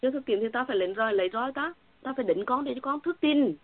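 A woman's voice: on the high side, expressive, quick pace, voice pushed up. A stern yet loving fatherly God, as a woman puts him on while retelling her prayer, admonishing in a tender, firm way. The sound is thin and tinny like a phone line, with no room echo at all.

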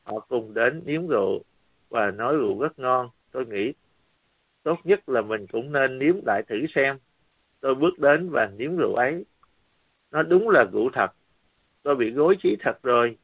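Gravelly-voiced man preaching over tinny line. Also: medium pitch, normal speed, dry recording. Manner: lively storytelling, acting out dialogue. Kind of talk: sermon storytelling. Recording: dry, tinny phone-like sound.

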